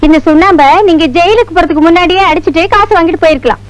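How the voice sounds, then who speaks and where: An actress playing the warden's young sister, teasing and playful in a film comedy. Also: female voice, very high voice, rapid-fire, rough recording.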